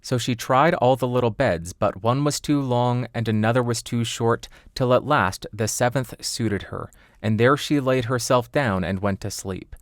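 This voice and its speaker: A man's voice: medium pitch, moderate pace, few pauses, no echo, studio quality. A man reading a scripted fairy tale as an audiobook narrator.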